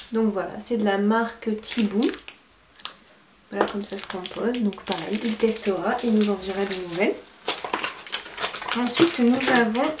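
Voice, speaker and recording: A woman vlogger chatting through a casual product review, hesitant with fillers and quick self-corrections. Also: a little high. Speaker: lifestyle vlogger. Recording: roomy echo, faint background noise.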